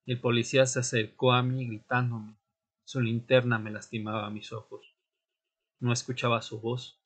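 A man playing a tormented young vampire, narrating an audio drama in the first person with solemn, deliberate, dramatic pauses. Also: medium pitch, flat delivery, breathy edge, natural voice. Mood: haunted, somber. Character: Fernando, tormented newly turned male vampire recounting his death. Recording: music bed under the voice.

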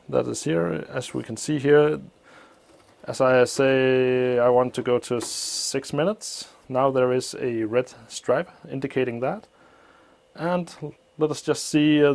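A man explaining a teardown of an old appliance at a workshop bench, thinking aloud with many pauses, his voice slightly muffled by a mask. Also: medium pitch, steady tone, vocal fry. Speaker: electronics teardown host. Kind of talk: hands-on technical walkthrough.

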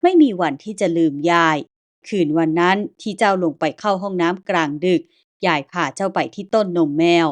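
A gentle old grandmother ghost, put on by a woman storyteller, calm and grateful. She talks in homely, old-fashioned words and reassures rather than frightens. A mid-pitched, even voice suits the storybook telling. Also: normal speed, lightly acted. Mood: reassuring.

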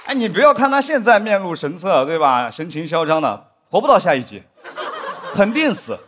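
A man performing a stand-up comedy set on a studio stage, acting out drama scenes with big pitch swings. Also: big pitch swings, a little fast, a bit bright, breathy edge, a faint crowd. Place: studio stage with live audience.

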